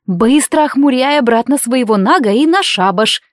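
A woman's voice: high voice, expressive, moderate pace, no room sound, voice pushed up. A young black witch, blunt and exasperated, who snaps out short, emphatic lines in a raised voice, as a woman reads her in an audiobook. The sound is close and dry. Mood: resigned.

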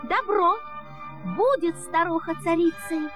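Fairy-tale drama: gracious enchanted fish, extremely high voice, soft music behind. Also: female voice, measured pace. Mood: gracious, soothing. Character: magical golden fish, female, kindly and regal.

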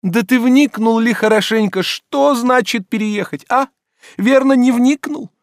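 A man reading an audiobook voices a petulant idle gentleman who whines and scolds his servant. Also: sits high, normal speed, dry recording, clean studio sound, pitched above the performer's own voice. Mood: exasperated. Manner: whiny, exasperated, raised and pleading. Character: petulant idle middle-aged gentleman, easily vexed.

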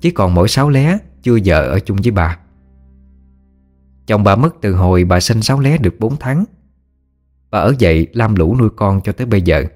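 A man with a Southern Vietnamese accent narrating a village story in a steady, unhurried way. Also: on the low side.

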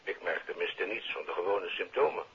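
A dismissive, matter-of-fact senior policeman speaks Dutch with a Netherlands accent over a telephone. His voice is lowish and very husky, with brisk authority. It comes from a dull-sounding 1950s radio play. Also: exaggerated voice. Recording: dull old radio recording.

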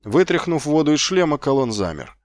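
A man narrating an audiobook in an expressive storytelling voice. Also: fairly high pitch, fairly quick, dry recording, clean studio sound. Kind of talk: scripted narration.

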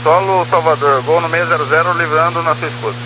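A man's voice: fairly high pitch, steady tone, fast, noisy background. A man speaking as a pilot, making procedural calls and readbacks over an aviation radio. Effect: aviation radio transmission.

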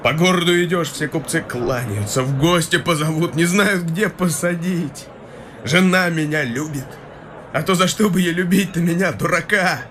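A fawning, tipsy young clerk played by an actor in a radio play, gushing and boastful as he talks. His voice sits slightly high. A steady hiss runs under the recording. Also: normal speed, natural voice. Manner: obsequious, laughing, expansive.

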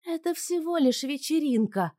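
A woman's voice: lively intonation, normal speed, mellow. A woman voicing a whiny, defiant fifteen-year-old girl in an audiobook story. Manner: whining, shrill and pleading.

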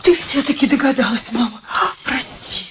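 Actress as agitated, tender ageing daughter, highish voice. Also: female voice, slight background noise, natural voice. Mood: guilty, tender. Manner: halting, emotional, repeats words. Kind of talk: theatrical radio drama acting.

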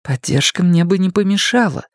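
Man voicing a calm young woman, soft, quietly firm, raised voice, dry sound. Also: high-pitched, normal speed, dry recording, pitched above the performer's own voice.

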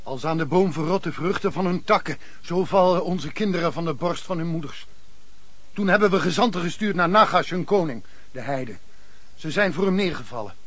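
A high-voiced, desperate envoy. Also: male voice, moderate pace, a bit bright, no room sound. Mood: desperate, pleading. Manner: solemn, pleading, declamatory. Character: desperate, solemn envoy from a besieged starving town. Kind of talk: declamatory radio play acting.

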